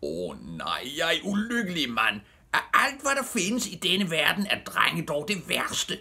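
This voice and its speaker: A man's voice: rumbling low, animated, bright, forceful tone, husky, pitched below the performer's own voice, full character voice. A man doing sly, pompous swindler Apollo. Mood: despairing.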